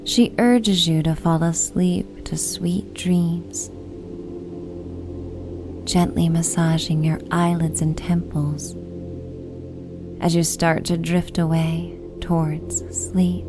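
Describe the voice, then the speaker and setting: A woman narrating a bedtime sleep story in a soothing, hushed, unhurried manner. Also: fairly low pitch, fairly even intonation, over music. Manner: soothing, hushed, unhurried guided relaxation delivery.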